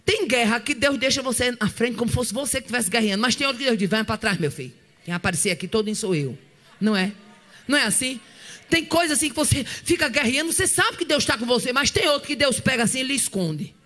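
A woman preacher, telling a story in a fervent sermon that breaks into shouts. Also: high voice, lively intonation, quick pace. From Northeast Brazil. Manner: shouting bursts and tongues, fervent.

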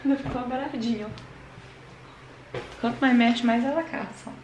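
A woman's voice: on the high side, measured pace, noisy background. Chatty woman murmuring in an echoey bedroom. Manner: chatty, often drops to a hushed murmur. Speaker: vlogger caring for her mother at night. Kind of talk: casual vlog chat to viewers. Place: bedroom at night.

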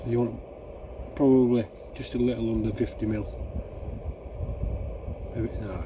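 Loud frying and bubbling sit around a man's voice picked up at some distance from the mic. He speaks at an ordinary middle pitch, informally explaining each cooking step and thinking aloud as he works at an outdoor camp. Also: fairly even intonation, unhurried, noisy background. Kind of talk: casual step-by-step cooking narration. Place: outdoors at a woodland camp, beside a cooking pan. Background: frying and bubbling food.

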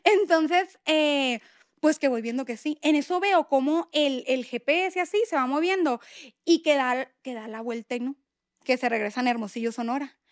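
A woman's voice: sits high, moderate pace, no room sound, clean studio sound. A young woman, telling a personal story in a casual chat and acting out the dialogue. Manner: animated, acts out quoted dialogue. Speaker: guest.

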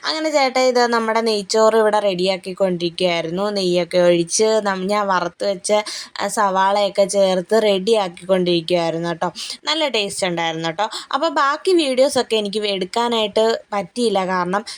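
A woman's voice: mid-range voice, quick pace, no room sound. A young woman narrating her family day in a casual vlog, rambling and chatty with frequent fillers and tag-questions. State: tired and sluggish after a heavy meal. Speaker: family vlogger.

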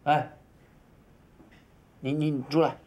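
A man's voice: a little high, little pitch movement, slow, a little mellow. A man in his thirties playing a harried, placating husband in a TV drama, stammering and coaxing in a natural style. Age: 30s. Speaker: actor in a television family drama. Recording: music behind the dialogue.

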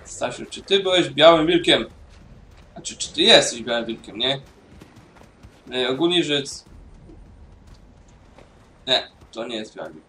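A man's voice: medium pitch, animated, measured pace, long pauses, bright, forceful tone, distant mic, slight background noise. A man casually commenting on his own gameplay, mumbling to himself and swearing now and then. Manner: mumbling to himself while playing. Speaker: gaming YouTuber. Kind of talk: casual let's-play commentary.

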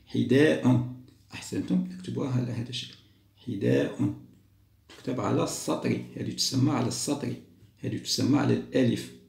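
A man teaching a lesson for young children, stretching out each model word slowly and then moving on quickly. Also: mid-range voice, vocal fry, a little mellow. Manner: slow, drawn-out model words, then quick asides. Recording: roomy echo.

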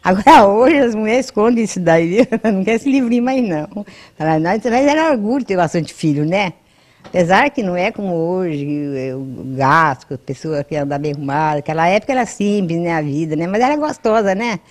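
An 88-year-old Brazilian woman reminisces casually in an interview at home, standing by a house wall with a handheld microphone. Her voice is fairly low, a little mellow, expressive and fairly quick. She sounds homely and colloquial and often tacks on tag questions.

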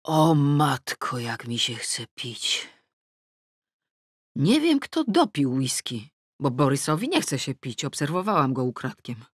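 Reading a first-person comic novel aloud, this middle-aged woman sounds wry and self-mocking, dipping into sulky mutters and rising into exclamations. Her deep voice has a breathy edge, in studio-quality audio with no echo.

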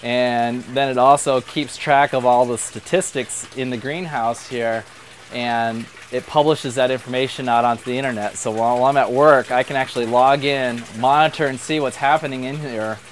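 A man's voice: mid-range voice, steady tone, moderate pace, slight background noise. A man in his thirties casually explaining his homemade aquaponics setup in a greenhouse and at home, speaking plainly with fillers and restarts.

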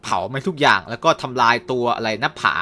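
A young man casually recapping and reviewing a cartoon episode, chatty with quick asides. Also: medium pitch, pushed and bright, faint music behind.

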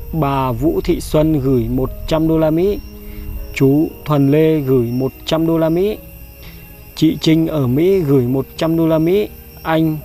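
A man hosting a vlog, briskly reading out a list of donors and coaxing and reassuring the person he is helping. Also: fairly high pitch, creaky, warm tone. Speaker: vlog host handing out charity money. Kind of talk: reading a donor list, then casual talk. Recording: light background music.

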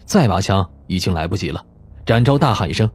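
A man's voice: low voice, lively intonation, brisk, husky. A man reading a dramatic scripted audiobook narration.

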